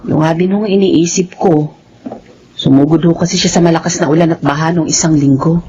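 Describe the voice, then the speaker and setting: A worried, devoted wife. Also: female voice, low-pitched, fairly even intonation, a little fast, mellow, husky. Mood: concerned. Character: worried loyal wife, adult woman. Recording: dull lo-fi sound with faint music.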